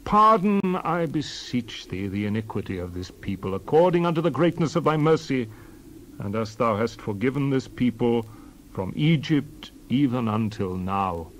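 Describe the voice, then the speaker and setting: A man's voice: medium pitch, lively intonation, normal speed, slight background noise, lightly acted, poor audio. A man playing an earnest prophet-leader in a dramatized scripture reading, emphatic and oratorical. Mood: pleading. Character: Moses, earnest male leader pleading and exhorting.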